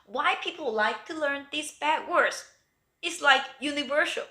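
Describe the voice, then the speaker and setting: A woman teaching a bilingual language lesson, speaking slowly and clearly and repeating each example phrase. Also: high-pitched, sharp tone, echoey room.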